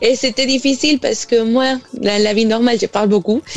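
A woman speaks at a fairly quick pace with a high pitch. Background noise is noticeable. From Mexico. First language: Spanish (speaking French). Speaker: personal development coach. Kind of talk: interview. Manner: halting.

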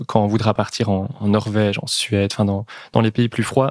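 A normal speaking voice from a man at medium pitch, fairly quick in pace, with a dry, close sound and no echo. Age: 20s. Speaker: carpenter and van builder. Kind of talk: podcast interview.

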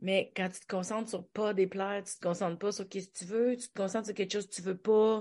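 The delivery is monotone and flat, fairly quick, with big swings in loudness and hardly any pauses. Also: woman, medium pitch for a woman. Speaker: comedian. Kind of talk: casual chat.

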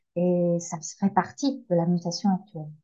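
A woman's voice sits at a medium pitch, somewhat breathy. Her tone is dark and mellow. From France. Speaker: LGBT leader and spirituality coach. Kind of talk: interview.

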